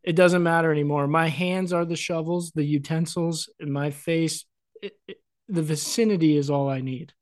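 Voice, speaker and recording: A man's voice: on the high side, fairly even intonation, normal speed, dry recording, studio quality. A man co-hosting a podcast in casual chat, joking and laughing often. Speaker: podcast co-host.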